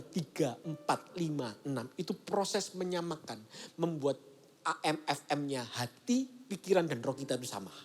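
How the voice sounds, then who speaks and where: Lively, animated male pastor preaching. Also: mid-range voice, husky. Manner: animated storytelling, acting out quoted voices. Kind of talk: casual sermon. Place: church service broadcast.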